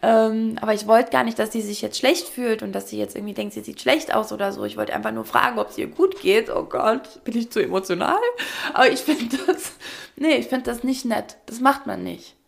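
Gravelly, animated young woman storyteller. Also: fairly high pitch, brisk. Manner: lively storytelling, acts out quotes. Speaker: podcast co-host. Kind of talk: casual chat.

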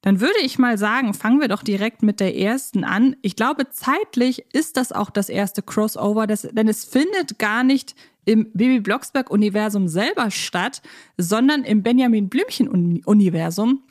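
A woman's voice: on the high side, moderate pace, no echo, clean studio sound. A woman talking casually as the host of a fan podcast.

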